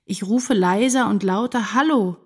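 A woman's voice: medium pitch, unhurried, breathy edge. An actress playing an anguished woman writer in a literary radio drama, intense and introspective in a poetic delivery. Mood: anxious, dazed. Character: anguished, brooding woman writer losing her sense of self.

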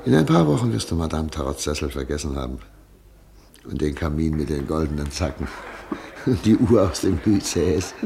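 An actor playing a hopeful, earnest middle-aged exiled doctor and husband in a radio play, speaking in a measured way. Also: male voice, a bass voice, sing-song, vocal fry, heavily acted. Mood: dreamy, reassuring.

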